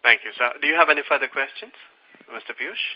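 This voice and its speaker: A male conference call operator speaks in formal, scripted phrases at a medium pitch. The sound is dull and lo-fi, as on a conference phone line. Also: fast talker.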